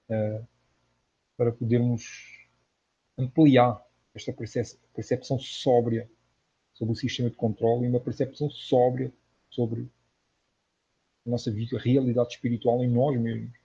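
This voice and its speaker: This online spiritual lecturer, a Portuguese-accented man from Portugal, chats casually through a livestream, replying to comments from viewers. The voice sits in the mid-range, dark and husky with vocal fry. He sounds earnest, repeats points emphatically, and the recording is lo-fi.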